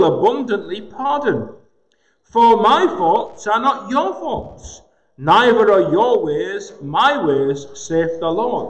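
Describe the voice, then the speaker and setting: Against a quiet background, a man speaks very slowly with very wide swings in pitch. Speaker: preacher. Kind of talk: scripture reading. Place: church. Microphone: phone near.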